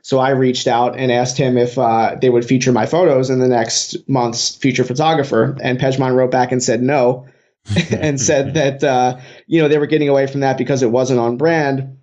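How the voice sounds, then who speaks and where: A man's voice: medium pitch, steady tone, normal speed, darkish tone. A man in his late twenties, a social media marketer, telling his story earnestly as an interview guest. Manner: earnest, fluent with some "you know" fillers. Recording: dull lo-fi sound.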